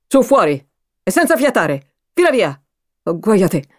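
A woman reading aloud and voicing an angry, vain mother who scolds her daughter with a hoarse, contemptuous voice. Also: low-pitched, moderate pace, mellow, no room sound, clean studio sound. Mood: scolding. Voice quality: hoarse with anger. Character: furious domineering mother, vain and shrill. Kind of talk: audiobook character reading.

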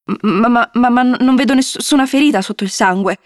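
A woman voicing an excitable young schoolgirl who talks in a high, breathless rush and stammers when frightened. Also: normal speed, no room sound, clean studio sound.

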